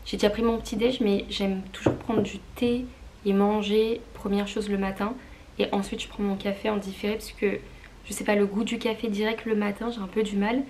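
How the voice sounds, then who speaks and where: A woman's voice: medium pitch, little pitch movement, normal speed, a little mellow, a little hiss or hum. A young woman chatting casually to camera as a vlogger, in an informal, confiding way.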